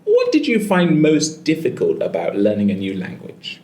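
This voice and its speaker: A woman's voice: low-pitched, wildly swooping pitch, moderate pace, mellow, reverberant. A woman acting as examiner in a mock speaking test, guiding the candidate and giving brief encouraging praise.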